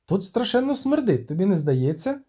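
A man reading an audiobook, voicing an excitable male bard who rambles on in lively chatter. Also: high-pitched, normal speed, slightly rough, voice pushed up, exaggerated voice. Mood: excited.

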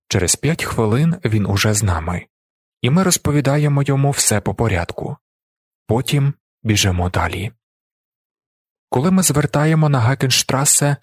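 A man reading a literary novel aloud as an audiobook narrator, with expressive delivery. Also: medium pitch, breathy edge, no echo, studio quality.

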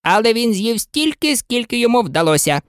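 A woman voicing a contrary, teasing boy twin in a storybook reading, cocky and excitable. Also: fairly high pitch, a little fast, no room sound, clean studio sound, voice pushed up.

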